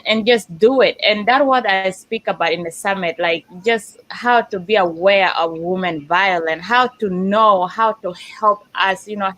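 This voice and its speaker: Guest: woman from South Sudan, earnest, unhurried storyteller. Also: mid-range voice, fairly bright tone, low-quality recording. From South Sudan, raised in Uganda. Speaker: summit speaker, guest. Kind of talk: casual interview.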